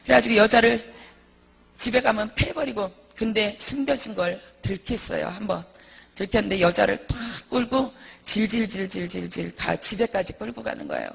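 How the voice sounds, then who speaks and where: A male preacher telling a dramatic, emotional story in a sermon, with a gravelly, husky voice. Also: high-pitched, normal speed, a bit bright, big-room sound. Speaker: preacher giving a testimony.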